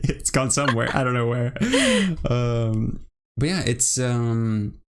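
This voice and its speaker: A man's voice: mid-range voice, fairly even intonation, slow pace, smooth. A young man from Brazil with a mixed British and American accent, hosting an interview show in a chatty, rambling way. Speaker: host. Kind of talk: casual interview chat.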